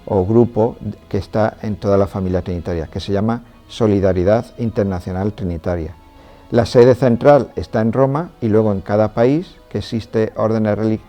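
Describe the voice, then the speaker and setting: A man with a low, dark and mellow voice, speaking as a priest. He explains things in a measured, steady way during an interview testimony. Soft music plays faintly behind him. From Córdoba, Spain. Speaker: Trinitarian priest and charity president.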